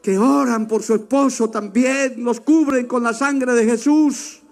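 A man preaching a sermon with passion, swinging between shouts and quiet asides. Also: very high voice, steady tone, measured pace.

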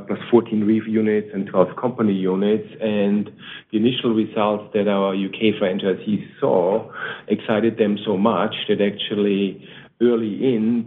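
A man, a company finance executive, answering on an earnings call and often checking in with a questioning "right?". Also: lowish voice. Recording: noisy, tinny phone-line conference call.

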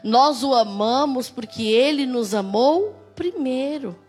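A woman's voice: sits high, lively intonation, takes it slowly, a little mellow, husky, faint music behind. A woman pastor with a Brazilian Portuguese accent, preaching a conversational sermon with emphatic, rising exclamations.

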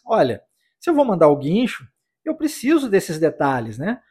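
Male podcast English teacher, high husky voice, patient explainer who drills phrases. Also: wildly swooping pitch, normal speed, mellow. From United States. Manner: explanatory, repeats phrases for the listener to practise. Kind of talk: podcast language lesson.

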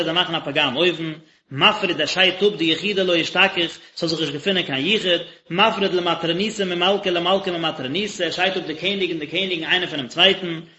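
A man's voice: high-pitched, sharp tone. A man, a rabbi, teaching a daily religious text lesson and explaining it phrase by phrase in short bursts. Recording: echoey, dull lo-fi recording.

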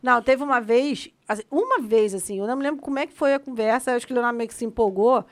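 A woman in her thirties with a Brazilian Portuguese accent, co-hosting a podcast in animated casual chat and swearing freely. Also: on the high side, quick pace. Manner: animated, swearing, frequent laughter. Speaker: podcast co-host.

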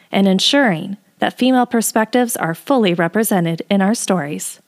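A woman presenting a podcast, reading a scripted introduction in a formal announcing manner. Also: medium pitch.

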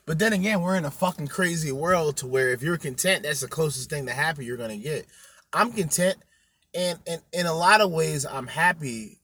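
Profane, ranting man with a husky voice. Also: fairly high pitch, sharp tone. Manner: profane, blunt, emphatic. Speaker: podcast co-host. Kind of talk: crude ranting commentary.

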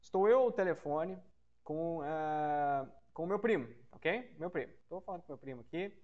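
A man teaching an English grammar lesson on a podcast. He repeats his example sentences slowly and keeps checking that listeners follow. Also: on the high side, animated. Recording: dull, muffled lo-fi audio.

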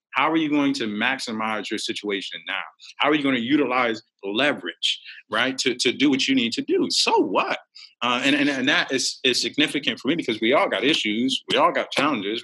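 Husky, energetic man telling stories. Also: mid-range voice, low-quality recording. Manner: energetic, animated, frequent ums. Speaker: guest author. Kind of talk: motivational storytelling.

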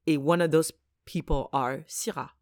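A woman's voice: low voice, a little slow, no room sound, clean studio sound. A native French-speaking woman co-hosting a podcast, chatting casually and emphatically with slang, switching between French and English as she tells stories. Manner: animated storytelling, slangy, emphatic. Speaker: podcast co-host.

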